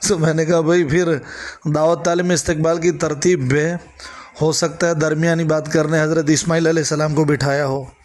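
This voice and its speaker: High-voiced man, persistent questioner, honorific-heavy speech, argumentative phone conversation. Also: flat delivery, moderate pace. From Gujarat, India. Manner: persistent, talks over the other man, honorific-laden address. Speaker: caller questioning a cleric on a recorded phone call. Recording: recorded phone call.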